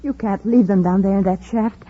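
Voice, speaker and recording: A woman's voice: medium pitch, moderate pace, close to an everyday voice. An actress playing a frantic, defiant captive woman in a 1950s radio drama, on a dull old transcription. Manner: pleading, defiant.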